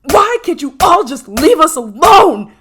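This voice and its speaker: A woman's voice: very high-pitched, very animated, very noisy, exaggerated voice. Actress as an obsessive, lovesick woman scientist. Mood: anguished, furious. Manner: intense, pleading, possessive, dramatic pauses. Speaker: voice actor in audio roleplay. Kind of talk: ASMR roleplay acting.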